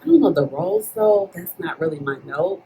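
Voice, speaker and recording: A woman hosts a relaxed makeup chat, chatty and full of playful asides. Her voice sits a little low, and a faint background hiss runs under it. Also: normal speed. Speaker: beauty channel host. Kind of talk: casual chat about makeup and fragrance.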